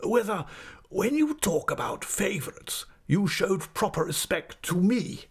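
A man's voice: sits high, sing-song, a little slow, husky, pitched above the performer's own voice, heavily acted. A man voicing an irascible, pompous school principal in an audiobook, full of sarcastic politeness and whispery menace. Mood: indignant, pompous. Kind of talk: audiobook character acting.

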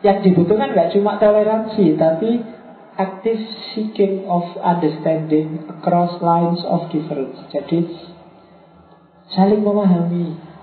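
A man's voice: high voice, unhurried. A man giving a lecture. He poses his own questions, answers them, and drops English phrases into his talk. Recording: tinny, phone-like and echoey.

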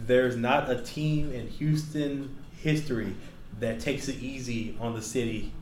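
A man's voice: mid-range voice, steady tone, a little slow. A man co-hosting a casual podcast, telling stories and teasing his friend with laughter. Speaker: podcast co-host. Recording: echoey room with faint noise.

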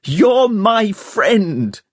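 A male audiobook reader voicing an earnest, desperate teenage boy, shouting and pleading. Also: high-pitched, big pitch swings, extremely slow, dry recording, voice pushed up, exaggerated voice. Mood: pleading, angry.

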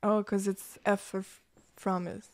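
A young woman co-hosting a podcast in casual chat, blunt with quick reactions. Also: mid-range voice, flat delivery, a little mellow. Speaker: podcast co-host.

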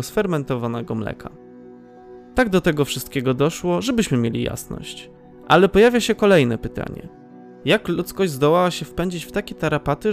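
A man narrating a scripted audio drama as its storyteller. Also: fairly high pitch. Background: faint music.

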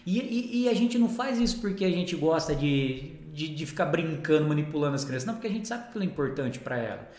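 A man's voice: on the high side, fast, hardly any pauses, reverberant. A Brazilian man who teaches school, chatting casually and acting out the voices of people he quotes. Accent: Brazilian Portuguese. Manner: animated, acts out quoted voices. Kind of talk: casual conversation.

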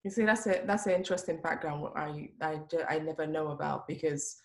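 Low-voiced woman hosting an interview. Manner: halting, self-correcting questions. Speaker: host.

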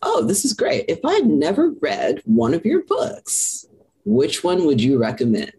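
Husky, effusive interview host. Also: male voice, a little high, wildly swooping pitch, darkish tone. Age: 50s. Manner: effusive, encouraging, quick to praise. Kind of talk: casual interview chat.

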